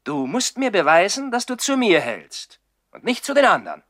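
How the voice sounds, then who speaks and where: A man's voice: high voice, huge pitch swings, normal speed, a bit bright, no room sound, studio quality, heavily acted. An actor playing a proud, defiant older brother, a self-assured and commanding boy in a 1960s radio play. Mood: commanding, secretive.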